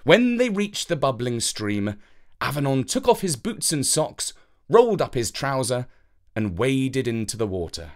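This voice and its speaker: A woman narrating a children's fairytale as an expressive storyteller. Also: extremely low pitch, unhurried.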